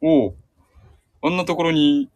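A man's voice: fairly high pitch, unhurried, darkish tone, no room sound, voice pushed up, natural voice. A man playing an easygoing young Kansai man in an improvised amateur radio drama, in a stagey, musing way. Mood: cheerful, eager.

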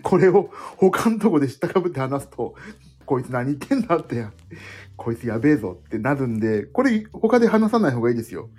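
A middle-aged man chats loosely and rambles through a solo livestream, joking at his own expense. His voice is mellow and a little husky, and it swings up and down a lot as he talks. Soft guitar music plays faintly behind him. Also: a little high. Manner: rambling, self-deprecating, chatty, jumping between topics. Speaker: livestream host. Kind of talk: casual solo livestream chat.

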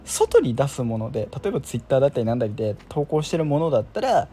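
A man's voice: medium pitch, very animated, quick pace, dark tone, slight background noise. A man hosting a casual solo chat show, rambling and self-deprecating with lots of filler words. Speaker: podcast host.

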